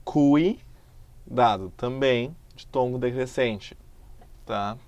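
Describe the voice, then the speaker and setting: A man with a Brazilian Portuguese accent teaching a recorded lesson, explaining patiently and stretching example words out slowly. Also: medium pitch, expressive, dry recording.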